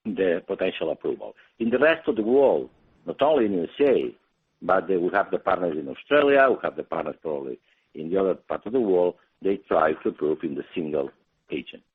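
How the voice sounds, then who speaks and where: A low, husky male executive with non-native English answers questions on a conference call. He explains point by point in loosely built phrases, heard through a narrow telephone line. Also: expressive, a little fast. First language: not English. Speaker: company executive answering analysts. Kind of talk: spontaneous business Q&A on a conference call. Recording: muffled narrowband phone line.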